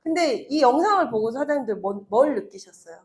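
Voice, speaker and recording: A woman's voice: high voice, expressive, brisk. A woman in her thirties giving a chatty motivational talk to an audience, telling personal stories with laughs and acted-out quotes. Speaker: network marketing speaker.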